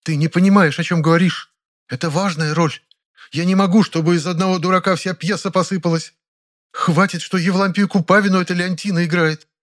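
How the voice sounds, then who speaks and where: A temperamental older actress in a storybook reading, her voice pitched up high and sharp, as a male reader puts her on. She scolds and flares up in indignant outbursts, loud and imperious. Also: a little fast, lightly acted. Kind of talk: audiobook character voice.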